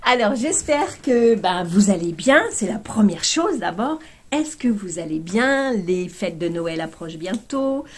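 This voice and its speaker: A woman's voice: fairly low pitch, animated, measured pace, darkish tone, breathy edge. A woman YouTuber chatting casually to her viewers, telling a storytime with lots of fillers and exclamations.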